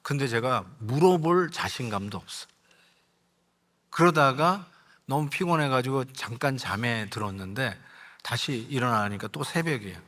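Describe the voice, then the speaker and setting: An older male pastor delivers a sermon built on a personal story, speaking in a conversational, emotional way. His voice sits at a middle pitch for a man, and he slips into quoted lines as he tells the story, sometimes using English words. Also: expressive, normal speed, fairly bright tone.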